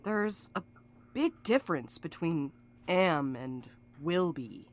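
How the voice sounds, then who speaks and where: A low female voice with big swings of pitch from an actress gives an audio drama a cynical, mercenary schemer. She is blunt and wry, with folksy turns of phrase. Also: lively intonation, takes it slowly. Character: cynical, mercenary, sharp-tongued woman schemer.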